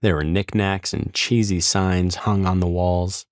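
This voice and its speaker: A man's voice: low voice, little pitch movement, a little slow, a little mellow, no room sound, clean studio sound. An American man reading his own first-person travel audiobook in an informal, colloquial way.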